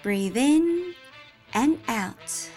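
A woman's voice sits high and moves slowly through a calm, guided-breathing promo. It comes through a thin, distant AM radio broadcast, with faint music behind her. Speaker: radio station announcer. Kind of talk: station promo spot.

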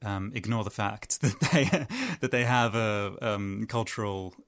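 A man from Armenia talks about his music on a community radio show. His low, smooth voice moves slowly and hesitantly, full of ums and restarts. He sounds thoughtful, as if feeling his way through each idea. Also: steady tone, a bit bright. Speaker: musician guest. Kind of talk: casual radio interview.

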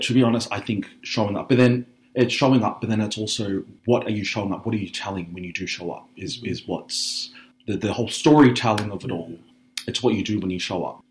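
A man with a raspy voice, a drag artist speaking candidly in a relaxed interview and thinking aloud as he goes. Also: on the low side, poor audio. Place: radio studio.

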